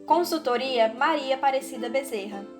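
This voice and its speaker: Brazilian woman co-host, very high voice. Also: normal speed. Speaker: podcast co-presenter. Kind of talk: scripted narration. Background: background music.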